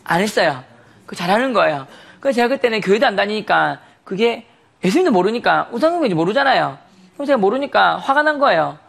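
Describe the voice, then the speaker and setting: A man's voice: high voice, very animated, quick pace, gravelly, fairly bright tone. A man giving a sermon testimony, telling a story animatedly with frequent laughter and rhetorical questions.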